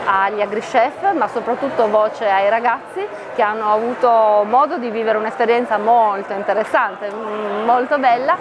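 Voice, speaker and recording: A middle-aged woman, a training officer, explaining a project at a food fair stand, measured and hesitant with many fillers. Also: on the high side, highs cut off. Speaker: training officer for a farmers' association. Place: busy exhibition hall stand with a crowd. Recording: crowd chatter and hall noise behind.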